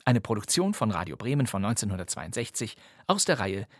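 A male radio host giving a lively, friendly scripted announcement. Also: lowish voice, a little fast, no room sound, studio quality. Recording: announcement over clear music.

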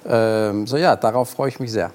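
A man with a Danish accent speaking German as a second language, answering as a talk show guest, halting and searching for words. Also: fairly low pitch, darkish tone. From Denmark. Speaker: actor guest.

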